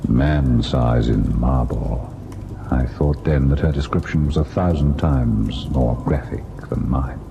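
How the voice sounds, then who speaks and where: An actor playing an educated, earnest husband who narrates a ghost tale in old-time radio style, expressive and at times hesitant. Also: male voice, rumbling low, slow pace, gravelly, muffled recording, full character voice. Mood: curious, halting. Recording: noisy vintage radio recording.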